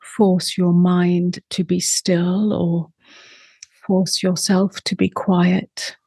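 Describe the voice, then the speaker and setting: A woman guides a meditation in a slightly low, mellow voice. She is soft and breathy, sometimes close to a whisper. Her phrases are short and very slow, with long silences between them. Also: level tone, dry recording. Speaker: meditation teacher.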